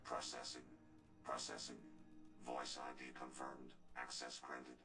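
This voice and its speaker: A man voicing a monotone bank security computer, with a synthetic computer voice and flat, clipped announcements. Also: very deep voice, unhurried, faint music behind, heavily acted. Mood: robotic.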